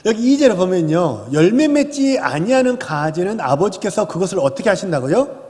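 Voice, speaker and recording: A man preaching from the pulpit, his fairly high voice swinging up and down as he throws questions at the congregation. The sermon is animated and conversational. His words ring out with a long trailing reverb in the church sanctuary. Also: brisk. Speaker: senior pastor.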